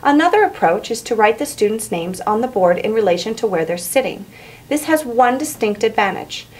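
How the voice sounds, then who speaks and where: A woman's voice: on the high side, expressive, brisk, darkish tone. Woman teacher in a roomy, echoing space. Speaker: English teacher. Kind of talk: instructional narration and classroom teaching. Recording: roomy echo, faint background noise.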